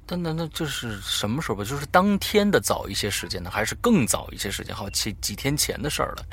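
A woman's voice: very deep voice, sing-song, quick pace, a little hiss or hum. A woman host chatting casually, murmuring along and musing hesitantly aloud. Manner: frequent short murmurs of assent, hesitant musing. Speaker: podcast host. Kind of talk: casual chat, reacting and musing.

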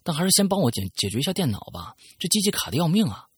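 A man's voice: fairly high pitch, big pitch swings, racing, husky, no echo, clean studio sound, voice pushed up, exaggerated voice. A man putting on a fretful cheerful girl. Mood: pleading. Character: anxious, cheerful young girl.

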